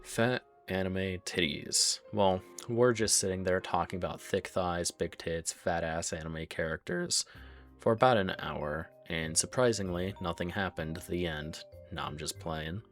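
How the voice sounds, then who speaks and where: A man's voice: low-pitched, measured pace, a bit bright, soft background music. A young man with a cold telling a crude, sarcastic story about his old job, swearing often. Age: young adult. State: has a cold. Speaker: storytime narrator. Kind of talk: casual storytelling.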